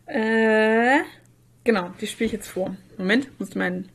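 A woman chatting casually as a podcast co-host. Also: fairly high pitch. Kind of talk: casual chat.

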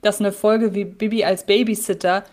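A woman's voice: mid-range voice, steady tone, moderate pace, darkish tone. A woman co-hosting a podcast in casual chat, thinking aloud with many fillers and restarts. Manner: thoughtful, hesitant with many fillers. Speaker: podcast co-host.

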